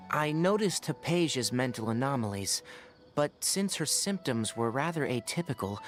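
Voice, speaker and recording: A man plays a young male scholar from a fantasy game, cautious and considerate. His mid-range voice is articulate and measured, with light music playing underneath. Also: medium pitch, lightly acted. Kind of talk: video game character acting.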